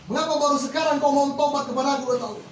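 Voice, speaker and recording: This man's voice is very high-pitched and racing, with fairly even intonation, as he preaches a Muslim sermon and presses listeners with rhetorical questions. The recording comes from a distant mic, echoey and faintly noisy.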